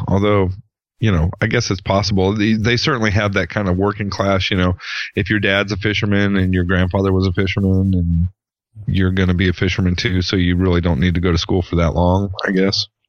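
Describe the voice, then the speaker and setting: With an unremarkable speaking voice, a man talks at a fairly quick pace and fairly low pitch. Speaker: podcast co-host. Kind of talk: casual podcast chat.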